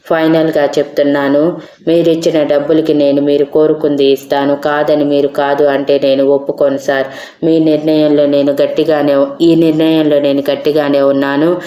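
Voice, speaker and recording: Woman doing a stubborn, devoted young heroine in an audio story, firm and insistent, low and mellow, in a roomy space. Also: flat delivery, moderate pace, close to an everyday voice. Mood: determined. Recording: roomy echo.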